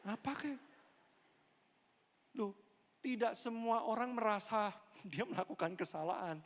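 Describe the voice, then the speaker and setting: Man, pastor, high animated voice, acts out characters, church hall with long reverb. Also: unhurried. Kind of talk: lively sermon with acted-out dialogue.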